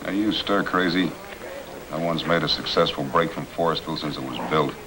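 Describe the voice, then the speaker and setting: A man's voice: very deep voice, a little fast, a crowd in the background. A male actor playing a cool, guarded, clever convict with terse delivery in a 1950s screen drama. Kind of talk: 1950s black-and-white screen drama acting. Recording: noisy old film soundtrack.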